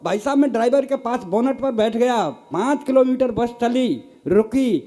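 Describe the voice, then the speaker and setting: Older man, very high voice, mellow tone, folksy teasing stage poet. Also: normal speed. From Bharatpur district, Rajasthan. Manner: folksy, teasing storyteller, addresses audience as sahib. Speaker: comic poet. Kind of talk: stand-up comic poetry recital. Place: live poets' gathering stage.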